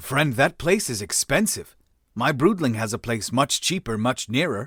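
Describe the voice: Using a put-on character voice, a man speaks at a moderate pace in a medium pitch in a very clean recording with a silent background.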